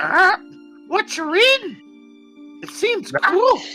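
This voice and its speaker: In a put-on character voice, the speaker talks at an extremely high pitch and a very slow pace over clear music in the background. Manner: casual, friendly.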